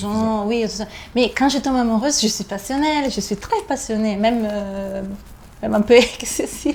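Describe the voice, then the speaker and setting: With a slight Italian accent, a woman talks at a fairly quick pace in a fairly high voice with ordinary pitch variation over noticeable background noise. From Italy. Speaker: coaching client. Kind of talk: personal questions in coaching chat. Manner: hesitant, many fillers.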